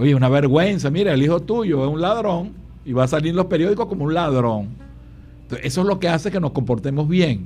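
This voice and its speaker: A man talks fairly quickly in an ordinary speaking voice, with a fairly high pitch and lively intonation. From Venezuela, El Tigre, Anzoátegui. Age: 60s. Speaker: psychiatrist and radio host. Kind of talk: radio talk show.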